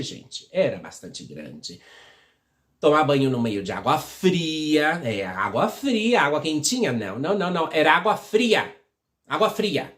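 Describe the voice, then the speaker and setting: A middle-aged woman from São Paulo, Brazil, tells personal stories to her viewers with feeling. She repeats herself often and keeps asking the audience if they follow. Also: extremely low pitch. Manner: emotional, repetitive, constant tag questions to viewers. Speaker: vlogger.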